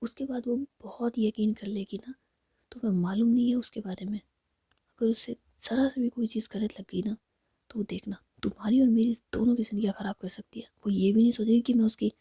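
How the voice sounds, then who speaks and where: A woman whispering the lines of an anxious young woman, pleading and hushed. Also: fairly high pitch, steady tone, moderate pace, breathy edge, no room sound. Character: anxious young woman torn between two people.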